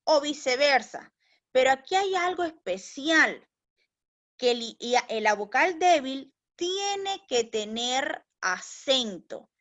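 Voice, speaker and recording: A primary school teacher with a high-pitched, slightly bright voice gives a recorded language lesson for children. Patiently explaining things step by step, she speaks fondly to her pupils, calls them "mis niños," and keeps checking they follow with "¿ya?".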